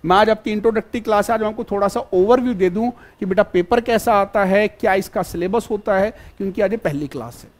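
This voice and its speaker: His voice sits high, and he talks quickly with hardly any pauses. He's teaching exam prep live online, fatherly and repetitive in manner, calling students "beta" and repeatedly making sure they understand.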